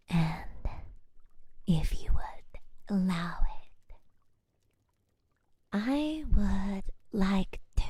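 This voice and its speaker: Slow, whispering scholarly witch, played by a woman. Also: mid-range voice, no echo, full character voice. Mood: gentle, reassuring. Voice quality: breathy, whispery soft voice. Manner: hesitant, thoughtful, explaining gently with pauses. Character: young scholarly witch, earnest, caring, modestly confident. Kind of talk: soft-spoken ASMR roleplay. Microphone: close microphone, dry sound.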